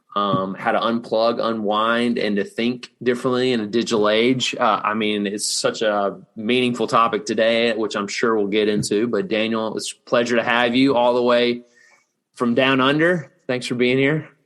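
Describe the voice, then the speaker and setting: This man has a Southern US accent and fairly even intonation. The background is quiet. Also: medium pitch for a man, moderate pace. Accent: Southern US, turned up. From US South, Alabama. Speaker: podcast host. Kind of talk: podcast interview. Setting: video call.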